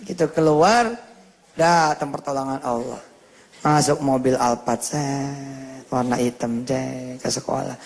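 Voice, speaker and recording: Husky-voiced preacher with a lilt. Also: male voice, mid-range voice, takes it slowly. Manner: lively storyteller who acts out the dialogue. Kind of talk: storytelling sermon. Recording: reverberant hall sound.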